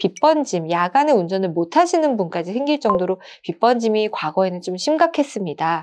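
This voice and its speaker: A woman's medium-pitched voice at a moderate pace, with very wide pitch swings against a quiet background. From South Korea. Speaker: ophthalmologist. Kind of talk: informational talk to camera. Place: studio.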